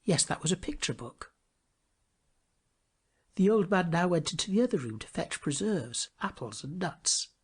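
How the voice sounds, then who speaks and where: A man narrating a fairy tale from a script in an expressive, theatrical manner, often hushing his phrase endings. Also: high-pitched, moderate pace, long pauses, husky. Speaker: storybook narrator.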